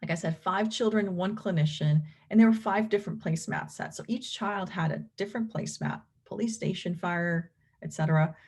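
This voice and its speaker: Low, husky woman lecturing. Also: fairly quick, hardly any pauses, darkish tone. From Venezuela. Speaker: clinical professor and behavior analyst presenting research. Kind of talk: explanatory academic lecture.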